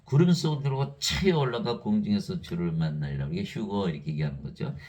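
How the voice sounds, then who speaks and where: A man preaching a sermon in an emphatic, lively way, reading scripture aloud and laughing between points. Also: on the low side, brisk.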